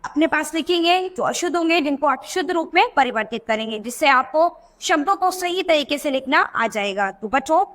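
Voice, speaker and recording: A woman's voice: sits high, lively intonation, brisk, few pauses, fairly bright tone. A woman teacher giving a grammar lesson to young schoolchildren, explaining patiently, repeating each word and asking the class questions.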